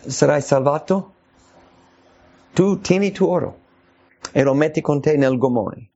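A man preaching an informal sermon, answering viewers' letters, slow and earnest, stretching out his emphasis on scripture. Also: on the high side, mellow. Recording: dull lo-fi recording.

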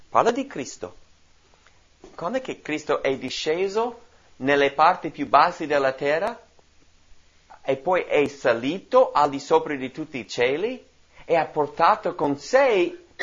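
A man's voice: fairly high pitch, lively intonation, a little slow, fairly bright tone. A man teaching from the Bible in a sermon, explaining and asking his listeners questions. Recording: dull lo-fi recording.

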